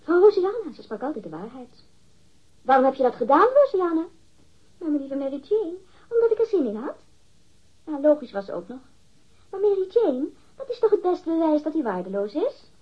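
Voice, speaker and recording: A woman's voice: high voice, sing-song, normal speed. An actress in a radio drama playing a catty, defensive woman witness, disdainful and emphatic as she gossips. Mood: scornful, exasperated. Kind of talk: acted radio drama dialogue. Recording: dull, muffled lo-fi radio recording.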